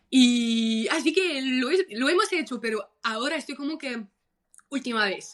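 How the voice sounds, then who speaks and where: In a French accent, a woman speaks at a moderate pace. Her pitch is high and her intonation lively. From France, Alsace region. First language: French (speaking Spanish). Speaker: journalist and podcast producer. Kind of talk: interview conversation. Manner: halting.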